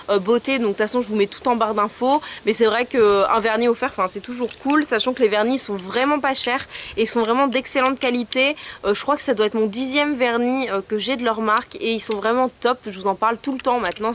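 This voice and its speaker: A woman's voice: fairly high pitch, fairly bright tone, a little hiss or hum. Chatty young woman beauty vlogger. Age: young adult. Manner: chatty, many hesitations, product show-and-tell. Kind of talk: casual haul vlog.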